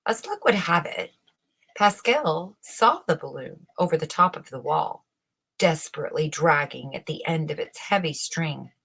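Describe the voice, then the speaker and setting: A woman reading a children's bedtime story aloud in a measured, dramatic storyteller's manner with emphatic phrasing. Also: low-pitched, animated, gravelly, a bit bright, husky. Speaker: storybook reader.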